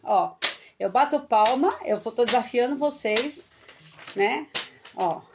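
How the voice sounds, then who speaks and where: A woman from Brazil, an early childhood educator giving a live online talk, chatty and full of tag questions, growing animated as she leads the audience in games. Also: fairly high pitch, takes it slowly, noisy background.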